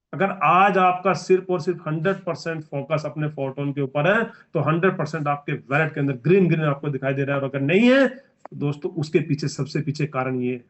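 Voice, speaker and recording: A man in his forties giving a motivational business training speech, emphatic and repetitive as he exhorts the audience. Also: high-pitched. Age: 40s.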